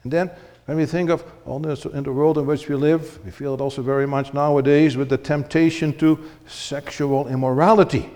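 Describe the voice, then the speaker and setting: A male preacher giving an earnest, emphatic sermon with pauses and shifts of pace, in a church. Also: mid-range voice, a little mellow, big-room sound.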